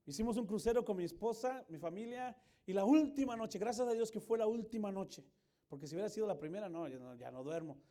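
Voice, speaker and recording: A male pastor giving a lively sermon in a church, joking with the congregation and acting out scenes. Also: high-pitched, quick pace. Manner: animated, jokes with the congregation, acts out voices and screams. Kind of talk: lively sermon with acted-out anecdotes.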